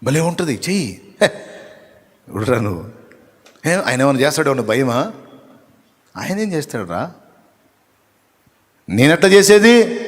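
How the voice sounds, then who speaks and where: A man's voice: mid-range voice, long reverb tail. A male pastor preaching a live sermon, firing rhetorical questions at the congregation and teasing them with acted asides. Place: church hall.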